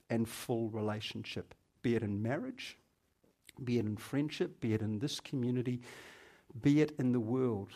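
A man's voice: medium pitch, dark tone. A man preaching a conversational sermon as pastor, chatty and teasing members of the congregation by name.

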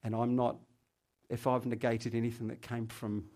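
A male pastor delivers a relaxed, conversational sermon. He talks at a middle pitch and turns to individual listeners with playful asides, keeping the tone informal. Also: normal speed. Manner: chatty, teasing the congregation by name.

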